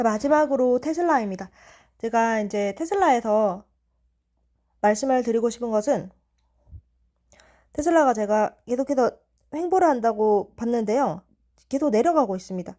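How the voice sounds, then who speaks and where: A young woman in her twenties calmly walking through stock chart analysis. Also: a little high. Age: 20s.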